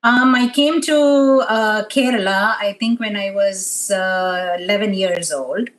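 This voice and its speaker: A woman's voice: mid-range voice, slow pace. A woman in her fifties from Tanzania, talking about her life as an interview guest, with many fillers. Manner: soft-spoken, many fillers. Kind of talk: interview chat.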